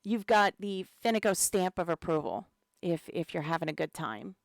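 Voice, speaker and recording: A woman's voice: lowish voice, moderate pace, gravelly, no room sound, clean studio sound. A woman with a cold, hosting a live game stream as community manager, chatting casually with lots of fillers and greeting viewers. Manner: chatty and relaxed, many fillers, greets chat. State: has a cold.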